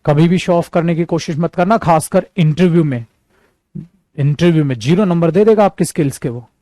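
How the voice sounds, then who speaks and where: A man from India teaching a spoken English class, lively and emphatic, switching freely between Hindi and English and slowing right down to spell out his example sentences. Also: fairly high pitch, dry recording. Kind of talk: classroom lesson, explaining at a board.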